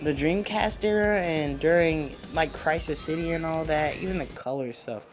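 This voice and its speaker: A man's voice: a little high, normal speed. A man giving casual, rambling and opinionated commentary on a video game as he plays. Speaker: gaming video host. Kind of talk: casual let's play commentary. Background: game music.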